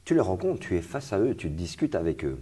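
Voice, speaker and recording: Deep, mellow-voiced man hosting. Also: very animated, fairly quick, breathy edge. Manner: conversational, with fillers and restarts. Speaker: host. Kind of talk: casual interview conversation.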